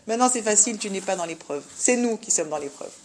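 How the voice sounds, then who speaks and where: A woman's voice: mid-range voice, lively intonation, fast talker, slight background noise. A woman giving an informal Jewish religious lesson to women, didactic, mixing Hebrew terms into her French and often checking that listeners follow. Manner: didactic, frequent check-in questions. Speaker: religious teacher.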